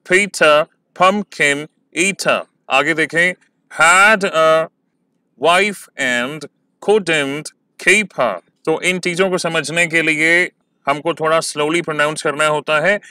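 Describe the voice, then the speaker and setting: A man teaching exam-prep poetry lessons, talking slowly and stretching words to show syllable stress. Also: a little high, bright, forceful tone, smooth, dry recording, studio quality.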